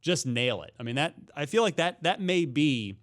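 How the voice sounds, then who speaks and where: A man's voice: fairly high pitch, lively intonation, moderate pace, a bit bright. A man hosting a conversational gaming show, talking in a chatty, opinionated way. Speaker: podcast host.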